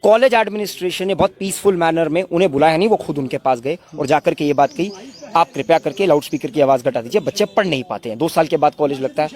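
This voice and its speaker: A man's voice: a little high, quick pace, a little mellow. A man making an impassioned, emphatic statement to reporters at a protest, full of indignant rhetorical questions. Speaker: protest spokesman.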